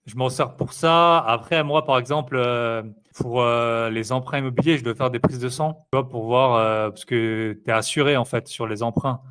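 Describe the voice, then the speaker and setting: A man's voice: mid-range voice, moderate pace, few pauses, smooth. A man chatting casually as an interview guest, rambling a little and leaning on fillers. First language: French. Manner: rambling, filler-heavy, relaxed. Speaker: interviewee, investor. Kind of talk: casual conversational chat.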